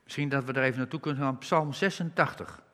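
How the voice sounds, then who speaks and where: A man preaching a sermon, reading scripture slowly and with emphasis and rising on key words. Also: medium pitch, a bit bright. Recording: reverberant hall.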